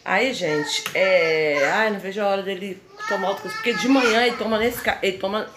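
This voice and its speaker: A woman's voice: mid-range voice, brisk. A woman vlogging at home as a mother, chatting casually and calling out to her viewers. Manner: chatty, addresses viewers as "gente" often. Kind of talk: casual home vlog chat. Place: family home, indoors. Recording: noisy home phone video.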